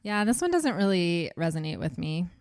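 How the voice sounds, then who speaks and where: A woman's voice: fairly low pitch, dry recording, clean studio sound. A woman co-hosting a podcast in casual chat, easygoing and supportive. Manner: easygoing and supportive, reads aloud slowly and flatly. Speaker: podcast co-host.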